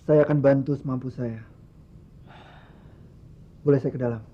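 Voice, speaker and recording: An actor playing a patient Muslim religious teacher in a television drama, counselling and admonishing calmly. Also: male voice, mid-range voice, normal speed, dull audio, close to an everyday voice. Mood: reassuring. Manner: calm, admonishing. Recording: music behind dialogue.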